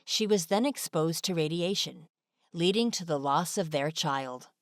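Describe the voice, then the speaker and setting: A woman's voice: low-pitched, animated, a little slow, no room sound, studio quality. A woman reading scripted narration for an online video as a voice-over. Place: close, dry voice-over recording.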